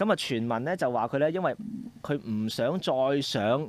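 In a Hong Kong accent, a man speaks at a fairly slow pace with lively intonation, the sound dry with no echo. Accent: Hong Kong Cantonese. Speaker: radio host. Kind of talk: casual chat. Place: studio. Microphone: studio mic.

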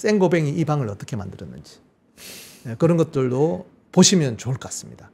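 A man speaks at a fairly quick pace in a fairly high pitch, with a dark, mellow tone and vocal fry. His pitch swings very widely, and his loudness rises and falls in big swings. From South Korea. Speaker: science historian and research institute head; guest. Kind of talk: educational talk show explanation. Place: studio. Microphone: studio mic.

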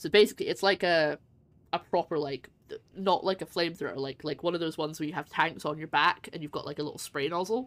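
Speaking with a Scottish accent at a very fast pace, a woman uses a very deep, low pitch with ordinary pitch variation. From Scotland. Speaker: streamer. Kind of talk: casual livestream gameplay commentary. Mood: reflective, slightly rueful. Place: home room.

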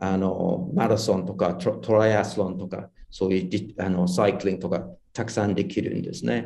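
A dark, mellow voice with a non-native accent, at a fairly quick pace in audible room echo. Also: man, fairly low pitch for a man, ordinary pitch variation. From outside Japan. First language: not Japanese (speaking Japanese). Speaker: expat information publisher. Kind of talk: casual chat. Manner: hesitant with many fillers.

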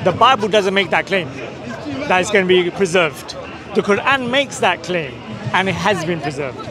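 The man speaks fairly quickly. Noticeable background noise is present, and the sound is dry with no echo. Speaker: street preacher. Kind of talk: explaining religion in street conversation. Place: street. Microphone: lapel.

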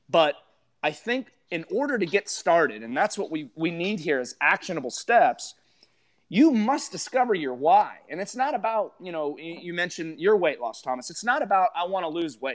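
Against a quiet background, a man speaks at a moderate pace with a high pitch and very wide pitch swings. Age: 40s. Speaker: fitness coach. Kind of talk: casual livestream discussion. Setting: live video stream. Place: home room. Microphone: earbuds.

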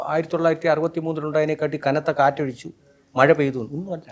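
Here a man is speaking. His pitch is fairly high. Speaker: film crew member. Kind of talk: casual interview. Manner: halting.

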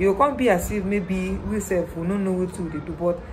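With a Nigerian accent, a woman talks at a moderate pace over light background noise. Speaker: book reviewer. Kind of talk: casual talk to camera. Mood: emotional, reflective, subdued. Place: home room. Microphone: phone near.

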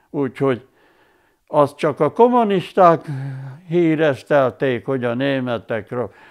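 Very slow speech from a man at a fairly high pitch, with lively intonation, long, frequent pauses and a quiet background. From Gyula, southeast Hungary; Hungary. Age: 90s. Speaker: war veteran, former forced labourer; interviewee. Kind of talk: oral history testimony. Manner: halting. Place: home room. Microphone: lapel.

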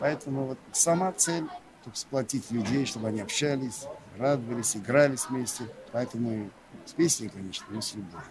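Speaking at a moderate pace with ordinary pitch variation, a man leaves long, frequent pauses over noticeable background noise. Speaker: choir conductor and music professor. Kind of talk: interview soundbite.

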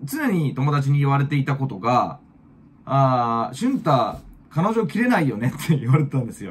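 A man speaks at a fairly slow pace in a fairly high pitch. His voice is somewhat breathy, with lively intonation. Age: 30s. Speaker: YouTuber; vlogger. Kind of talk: casual monologue. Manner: halting, many fillers. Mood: reflective, a bit sheepish. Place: home room. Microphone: phone near.

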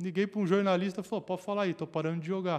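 A man's high voice at a very fast pace over a quiet background. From Brazil. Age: 40s. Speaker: former professional tennis player; guest. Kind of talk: casual chat. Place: studio. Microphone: studio mic.

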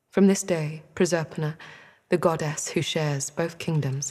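A woman talks at a fairly slow pace in a monotone, flat intonation. The background is quiet. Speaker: actor. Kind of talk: dramatic narration of myth. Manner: emotional, expressive. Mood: emotional, grave storytelling. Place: studio.

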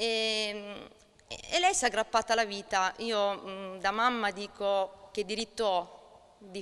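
Light noise runs in the background. A woman talks with fairly even intonation. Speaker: mother of a sick child. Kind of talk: testimony. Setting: stage with audience. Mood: emotional, earnest. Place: hall. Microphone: podium.

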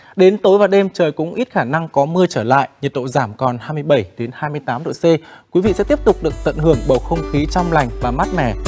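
At a moderate pace, a man talks while faint music plays in the background. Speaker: presenter. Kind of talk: broadcast weather forecast. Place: studio.

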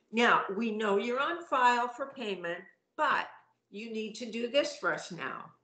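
The speech comes at a fairly slow pace, with audible room echo. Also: woman. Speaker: panel guest. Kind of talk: casual chat. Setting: video call. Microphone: video call.

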